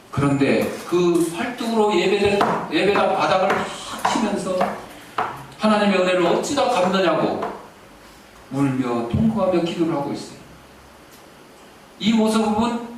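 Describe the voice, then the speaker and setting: A pastor preaching a sermon and telling a story with animation, recorded in a church sanctuary. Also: male voice, on the high side. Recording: echoey church, distant mic, faint hiss.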